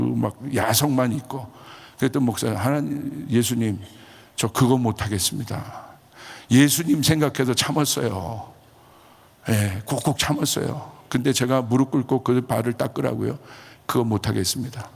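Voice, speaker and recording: A man's voice: medium pitch, gravelly, breathy edge. A male pastor telling a story in a sermon, acting out the voices of the people in it. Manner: animated, acts out quoted voices. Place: large church hall. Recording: echoey church hall with long reverb.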